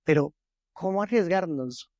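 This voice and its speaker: A man's voice: fairly high pitch, expressive, unhurried, a little mellow, no echo. A man hosting an interview podcast, asking his guest questions courteously and formally. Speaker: podcast host.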